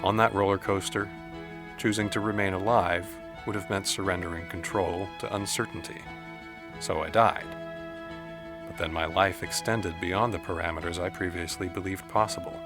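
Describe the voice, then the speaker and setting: An actor playing a dead man's trapped, anguished spirit who reads a letter in measured, formal diction in an audio drama. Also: deep voice, fairly even intonation. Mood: solemn, resigned. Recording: music under the voice.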